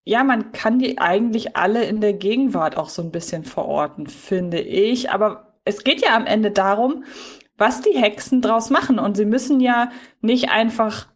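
A woman co-hosting a podcast in casual discussion, explaining things in a deliberate manner. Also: medium pitch. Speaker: podcast co-host.

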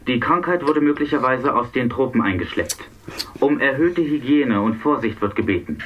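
Through a muffled, noticeably noisy old recording comes a man acting as an earnest male radio newsreader in a children's audio play. He delivers absurd bulletins in a formal, official deadpan, at medium pitch. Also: moderate pace, distant mic, close to an everyday voice. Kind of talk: scripted children's audio drama news bulletin.

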